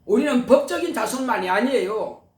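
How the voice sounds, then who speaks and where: Male pastor, emphatic sermon delivery, high animated voice, recorded far off in a roomy sanctuary. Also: brisk. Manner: emphatic preaching, rhetorical questions to the congregation. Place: church sanctuary.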